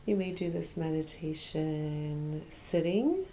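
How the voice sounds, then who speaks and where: A woman guiding an ASMR meditation as a Reiki practitioner, speaking in a soft, hushed, soothing way with long pauses and occasional whispering. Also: deep voice, lively intonation, slight background noise.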